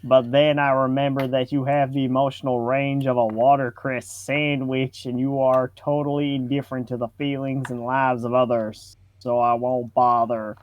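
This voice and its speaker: A man voicing a pompous, condescending, well-read online debater in a comic reading, measured and sardonic with elaborate wording. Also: mid-range voice, flat delivery, dull audio, lightly acted. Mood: dry condescension.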